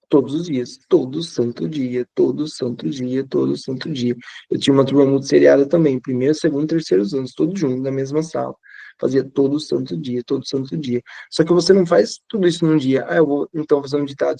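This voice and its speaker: Here a Brazilian-accented male teacher talks colleagues through his classroom methods, often repeating phrases for emphasis in a relaxed manner. The recording is dry, and his fairly high, warm voice carries vocal fry.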